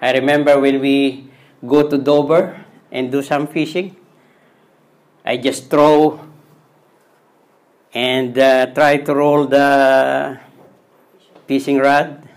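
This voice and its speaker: A Filipino man, a Tagalog speaker, preaching a sermon as pastor in simple, halting English with many repeated phrases. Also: medium pitch.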